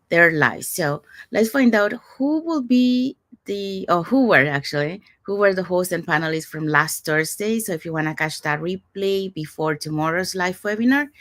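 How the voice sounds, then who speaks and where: A woman's voice: fairly low pitch, dry recording. Upbeat woman host from Panama, dry sound. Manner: upbeat, promotional, with frequent fillers. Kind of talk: scripted webinar promo chat.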